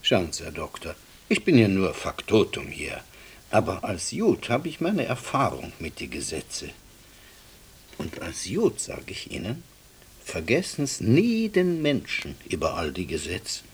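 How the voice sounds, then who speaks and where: An actor playing a humble, wry Jewish handyman from the East in a radio play, speaking colloquial, with earnest emphasis and a husky, breathy voice. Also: low voice, wildly swooping pitch, measured pace, slight background noise, heavily acted. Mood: wry, confiding. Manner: colloquial, hesitant, emphatic storytelling.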